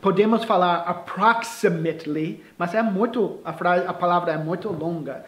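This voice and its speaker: A male English teacher explaining phrases, slowly and with restarts, in a casual lesson. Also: high voice, fairly bright tone, roomy sound.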